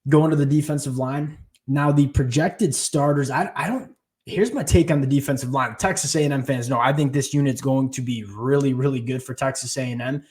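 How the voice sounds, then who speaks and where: A man's voice: mid-range voice, fairly quick, darkish tone. A young man hosting a casual college football analysis, talking through his opinions and thinking aloud as he goes.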